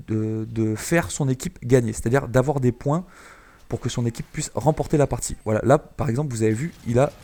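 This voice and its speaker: Male gaming commentator from France, mid pitch, warm mellow tone, chatty and explanatory, hesitant fillers. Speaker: gaming YouTuber. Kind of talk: gameplay commentary.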